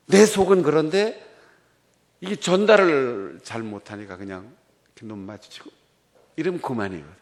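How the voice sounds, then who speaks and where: A middle-aged male pastor with a Gangwon Korean accent, preaching a sermon and telling stories that act out quoted dialogue. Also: medium pitch. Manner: animated storytelling, acting out quoted dialogue.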